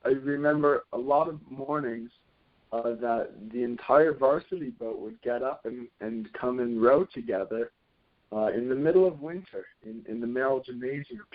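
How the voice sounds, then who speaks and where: A young man speaks in a thoughtful, measured way at a mid-range pitch, often circling back to restart his phrases. The audio is dull and lo-fi. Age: 20s. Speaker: guest, rowing team captain. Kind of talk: casual interview answers.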